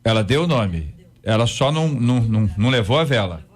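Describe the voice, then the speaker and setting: A man's voice: medium pitch, lively intonation, brisk. A man hosting a radio debate, reading listener messages in a jovial, chatty way. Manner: jovial, chatty, exclaims aloud. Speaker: radio host.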